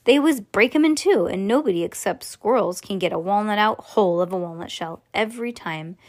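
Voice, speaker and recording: A woman reading aloud and voicing an eccentric, excitable man who runs a candy factory, brisk and showy. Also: medium pitch, lightly acted. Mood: explaining. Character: eccentric excitable male chocolatier, middle-aged.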